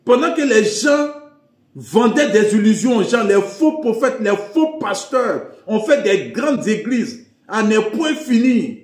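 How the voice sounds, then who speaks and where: Slow, declamatory male preacher. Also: high-pitched, big pitch swings, darkish tone. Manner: slow, declamatory, emphatic repetition. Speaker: self-styled prophet. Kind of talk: preaching address. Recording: echoey room.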